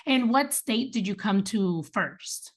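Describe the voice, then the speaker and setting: A woman's voice: mid-range voice, animated, slow pace, dry recording, clean studio sound. A woman hosting an interview podcast, addressing listeners and guests.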